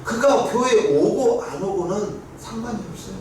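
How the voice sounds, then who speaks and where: High-voiced preacher in a booming church. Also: male voice, expressive, moderate pace. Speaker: pastor. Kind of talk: sermon. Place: church sanctuary. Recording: very echoey church room, heard from a distance, faint hiss.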